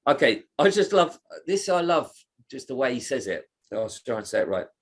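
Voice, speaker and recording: A man's voice: medium pitch, sing-song, moderate pace, slightly rough. A man co-hosting a podcast, chatting casually, rambling and laughing often. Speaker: podcast co-host. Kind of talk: casual chat. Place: Brighton.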